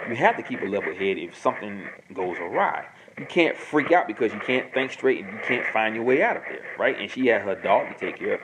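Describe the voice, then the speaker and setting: Brief: man, lower voice, rambling host monologue, hiss in the background. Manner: rambling, repeats himself, many fillers. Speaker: host answering viewer questions. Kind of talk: casual monologue. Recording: noisy home recording.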